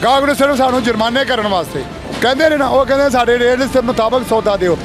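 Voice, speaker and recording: A man's voice: very high-pitched, fast talker, over music, crowd noise. A man, a shopkeeper, giving blunt answers into a reporter's handheld mic at an outdoor market. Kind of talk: street interview answers. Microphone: handheld mic held by reporter.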